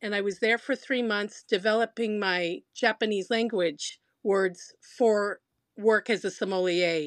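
A woman with an American accent and a plain, everyday voice speaks fairly slowly at a medium pitch with ordinary pitch variation, the sound dry and close with no echo against a quiet background. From US Midwest, Minnesota. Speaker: sommelier and food tour guide. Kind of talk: interview.

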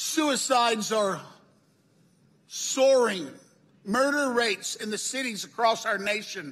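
A loud man's voice at an extremely high pitch, very slow, with long, frequent pauses. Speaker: senior pastor. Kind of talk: sermon. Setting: church.

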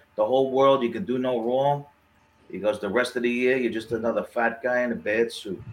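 This man has an unremarkable speaking voice with an American accent and medium pitch. He talks at a fairly quick pace with fairly even intonation. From Brooklyn, New York. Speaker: retired police detective. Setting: video call.

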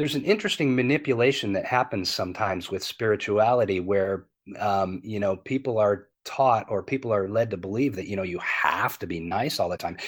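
With an American accent and lively intonation, a man speaks at a moderate pace on a very clean recording with a silent background. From US West Coast (Long Beach, California). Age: 50s. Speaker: YouTube whistler. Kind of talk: casual chat.

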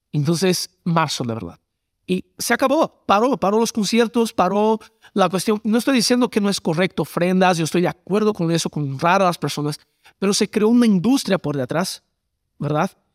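On a very clean recording with a silent background, a man with a high voice and lively intonation talks at a moderate pace, the sound dry and close with no echo. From Brazil. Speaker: pastor and podcast host. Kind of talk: interview conversation.

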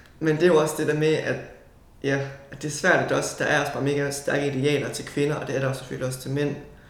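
A man's fairly high, monotone voice at a very fast pace, with flat intonation, noticeable background noise and audible room echo. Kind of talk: casual chat.

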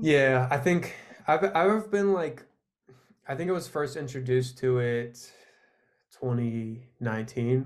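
A man with medium pitch speaks at a fairly slow pace, with long, frequent pauses. His intonation is lively. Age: 20s. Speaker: musician and singer. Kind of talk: casual chat. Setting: video call.

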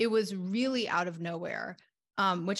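Over a quiet background, a woman with a plain, everyday voice speaks at a medium pitch and a fairly slow pace, her intonation fairly even. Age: 30s. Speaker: podcast booking agency owner. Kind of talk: casual interview chat.

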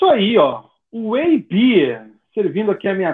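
A man's very slow delivery carries lively intonation. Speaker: football podcast host. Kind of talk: casual chat. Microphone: phone mic without headset, audio changed.

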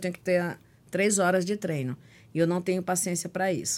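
In a very clean recording with a silent background, a woman with a medium-pitched voice talks at a very fast pace. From Bahia, Brazil. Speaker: podcast co-host. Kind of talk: casual chat.

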